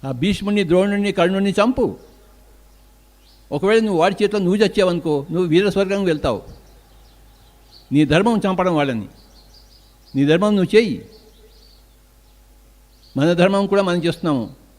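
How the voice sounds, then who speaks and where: A man's voice: sits high, normal speed, pauses often, darkish tone. Emphatic male spiritual teacher. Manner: emphatic, rhetorical questions and answers. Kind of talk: spiritual discourse.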